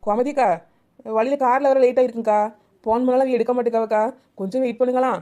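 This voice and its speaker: A woman's voice: a little high, steady tone, a little hiss or hum, close to an everyday voice. A woman playing a young village wife who banters sharply with her neighbours and feels let down by her husband. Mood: teasing. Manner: quick, sharp-tongued teasing, then wounded. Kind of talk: village family drama acting.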